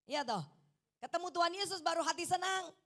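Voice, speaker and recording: A middle-aged woman evangelist with an East Javanese accent, preaching a lively sermon and urging the congregation to say amen. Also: extremely high pitch, brisk. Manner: animated, mixes in Javanese, coaxes the congregation to say amen. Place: church hall.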